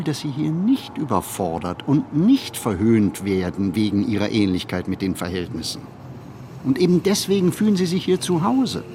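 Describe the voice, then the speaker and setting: A man playing a pensive city wanderer in a radio play, narrating a literary monologue with deliberate, measured phrasing and pauses. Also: on the high side, dark tone, slight background noise. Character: pensive male city wanderer musing on modern life. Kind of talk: scripted literary monologue, reflective first-person narration.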